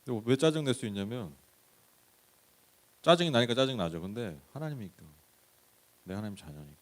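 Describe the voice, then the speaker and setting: A male pastor giving a conversational Bible-study sermon, swinging from loud emphatic lines to soft hushed ones, with chuckles and frank asides. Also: medium pitch, animated, a little fast. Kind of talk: Wednesday Bible exposition sermon. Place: church.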